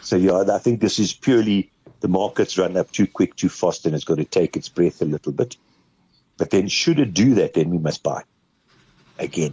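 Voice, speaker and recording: Speaking with a normal speaking voice, a man uses lively intonation and a fairly low pitch at a moderate pace. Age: 60s. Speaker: portfolio manager, markets commentator. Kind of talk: casual chat.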